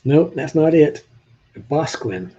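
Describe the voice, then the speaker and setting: An older man from New Hampshire with a slight Southern drawl chats with his live-stream viewers and jokes with them. His voice is dark and a little husky. The sound is dull and slightly lo-fi. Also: a little high, animated, a little slow. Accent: Southern US with New England traces. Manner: chatty, joking, talks to viewers in chat. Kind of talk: casual live-stream chat showing old photos.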